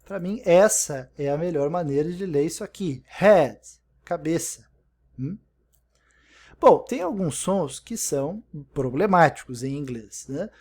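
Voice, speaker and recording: In a recorded online lesson, a man teaches English in Portuguese, explaining step by step, repeating example words, and often checking in with "né?". His fairly high voice is expressive and darkish in tone, moving a little slowly.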